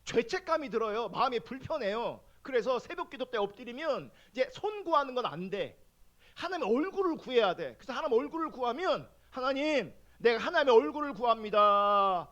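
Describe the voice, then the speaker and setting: High, lively Korean pastor preaching. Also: male voice, fairly quick, lo-fi sound. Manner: animated storytelling, acting out his own prayers. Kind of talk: sermon with personal testimony.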